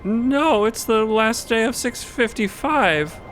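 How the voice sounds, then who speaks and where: A man's voice: very high voice, animated, slow, a bit bright, soft background music, voice pushed up, exaggerated voice. A man voicing a young, earnest and flustered timekeeper officer in a fantasy audio drama, formal and hesitantly polite. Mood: nervous, polite.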